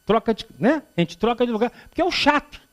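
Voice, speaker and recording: A man's voice: extremely high pitch, fast talker. A man in his fifties with a Rio de Janeiro accent, giving a public spiritist talk as a lecturer, joking and acting out little dialogues as he tells stories. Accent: Carioca Brazilian Portuguese. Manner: animated, joking storyteller who acts out dialogue. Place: lecture hall before an audience.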